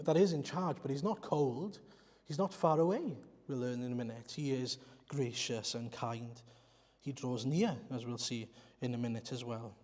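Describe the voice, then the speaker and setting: A man's voice: mid-range voice, a little mellow. A man from Wales, a Welsh speaker, preaching a sermon in an earnest, explanatory way and putting rhetorical questions to the congregation. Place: church. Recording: reverberant church hall.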